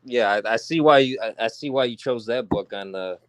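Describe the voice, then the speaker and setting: A man's voice: medium pitch, a little fast, no room sound. A man from New York with a New York accent, chatting casually as a guest while driving in his car. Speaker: call-in guest. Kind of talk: casual chat.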